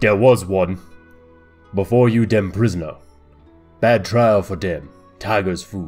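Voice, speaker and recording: Faint music plays behind a man doing a put-on character voice, fairly low in pitch, moving at a fairly slow pace with long, frequent pauses. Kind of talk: broken speech.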